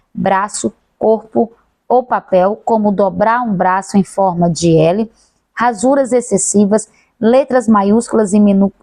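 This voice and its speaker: A woman teacher with a Brazilian accent giving a class lecture, who talks fast, swallows some words and corrects herself. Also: medium pitch, a little mellow, no room sound.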